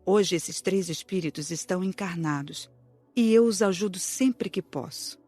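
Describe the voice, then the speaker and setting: A woman's voice: lowish voice, moderate pace, dark tone, slightly rough, no echo, faint music behind. A woman playing a humble, devout female spirit in an audiobook drama, telling her story in a plaintive, confessional way. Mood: resigned.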